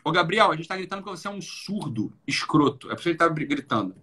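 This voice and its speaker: Man, live stream host, blunt and insistent, bright and sharp tone. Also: on the high side, animated, rapid-fire, husky. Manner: insistent, repetitive, blunt with swearing. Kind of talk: emphatic casual talk.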